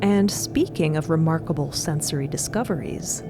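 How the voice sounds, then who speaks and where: A woman's voice: low voice, normal speed, music in the background. A woman narrating a scripted audio drama.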